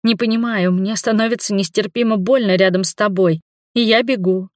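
A woman's voice: mid-range voice, fairly even intonation, a little fast, dry recording, studio quality, voice pushed up, close to an everyday voice. A woman reading a story, voicing a worried middle-aged mother who doubts and laments in a plaintive tone.

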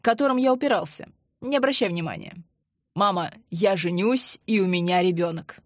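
A woman's voice: medium pitch, moderate pace, no echo, close to an everyday voice. Woman voicing a wry, teasing young man. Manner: dry, teasing.

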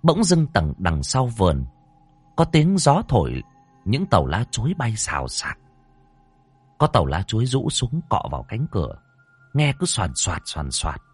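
Guy telling a creepy ghost story, low husky voice, dry close mic. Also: moderate pace, no room sound, soft background music. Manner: suspenseful, lively storytelling. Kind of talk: dramatic ghost story narration.

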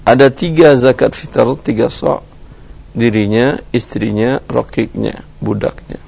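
A man teaching Islamic law on a radio program, explaining rulings step by step in a measured way. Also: mid-range voice, creaky, darkish tone, husky. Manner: measured explaining, reads Arabic terms. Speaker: Islamic scholar teaching fiqh. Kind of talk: religious lecture on radio.

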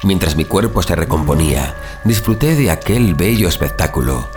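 A very low, expressive male voice acted by a man tells a horror tale as a sadistic young vigilante. He savors his words with sardonic, dark glee and a literary turn, over clear background music. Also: moderate pace. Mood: dark relish. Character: small, scrawny young immortal vigilante killer, sadistic, darkly gleeful. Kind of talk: scripted first-person horror audio drama narration.

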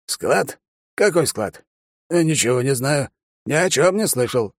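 A man's voice: fairly high pitch, measured pace, a little mellow, no echo, clean studio sound, pitched above the performer's own voice, close to an everyday voice. A man putting on a sly, teasing old grandfather. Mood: feigning innocence. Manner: sly, joking, cackling. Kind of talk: audiobook character voice.

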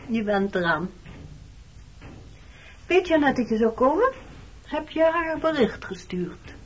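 A woman's voice: sits high, sing-song, takes it slowly, heavily acted. An actress playing a guarded, pointed woman in her early thirties in a Dutch radio play. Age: 30s. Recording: dull lo-fi radio recording, clear noise.

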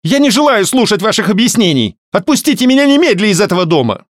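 A male narrator voicing an indignant, furious young woman held captive, in shrill outraged outbursts. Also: sing-song, fast talker, no echo, studio quality. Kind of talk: audiobook character voice.

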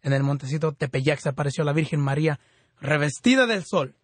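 A fervent man hosting a Catholic radio program, his voice a little high for a man. He prays and explains with frequent stops and restarts. The studio sound is dry and close. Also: expressive, fairly quick, no room sound. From California. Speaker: radio show host. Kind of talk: Catholic radio talk and prayer.

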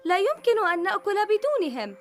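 A woman's voice: high-pitched, animated, fairly quick, a bit bright. A woman voicing a thoughtful young girl who organizes her friends, speaking in a considerate storybook voice full of suggestions.

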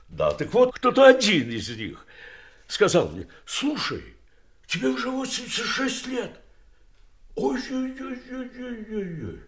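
An old doctor looking back on his long life in a stage-style audio drama. His delivery is unhurried and his pitch swings widely. He rambles, halts and exclaims, both wistful and bitter. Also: exaggerated voice. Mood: wry, rambling. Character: garrulous wistful old doctor, eighty-six, bitterly reflective. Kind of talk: theatrical audio drama monologue.

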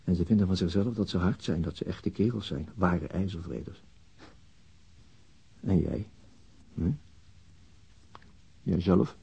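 An actor playing a brooding, weary middle-aged police inspector in a radio play, with terse, probing, self-questioning delivery and a husky voice. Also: male voice, deep voice, warm tone, lo-fi sound, heavily acted. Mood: anguished, self-doubting. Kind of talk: radio play acting, inner monologue and questioning.

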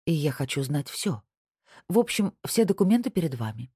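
An audiobook reader voicing a direct, teasing Southern widow who runs a business, lifting the voice higher for her lines. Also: big pitch swings, normal speed, warm tone, slightly rough, no room sound, studio quality, full character voice. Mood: firm. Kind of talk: audiobook dialogue.

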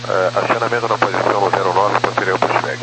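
A Brazilian man speaking as a pilot, reading back clearances in clipped phrases over an aviation radio. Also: low voice, steady tone, quick pace. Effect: aviation radio transmission. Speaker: airline pilot. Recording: noisy, humming cockpit radio transmission. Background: radio hum and noise.

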